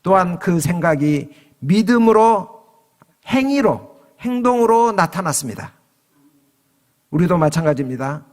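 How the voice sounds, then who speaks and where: Korean pastor preaching in an echoing hall. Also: male voice, high voice, sing-song, unhurried, pauses often. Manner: acts out quoted lines in raised voices. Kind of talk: sermon. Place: church sanctuary. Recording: long reverb of a church hall.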